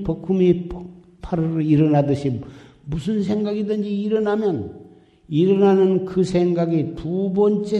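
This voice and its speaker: Slow, dark-voiced man preaching in an echoing hall. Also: on the high side. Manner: exhorting, repetitive, admonishing. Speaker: Buddhist dharma teacher. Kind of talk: Buddhist sermon. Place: temple dharma hall. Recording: echoey hall with long reverb.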